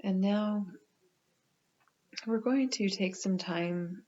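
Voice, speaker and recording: A woman leading a guided meditation in a gentle, unhurried manner with pauses. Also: medium pitch, dull audio.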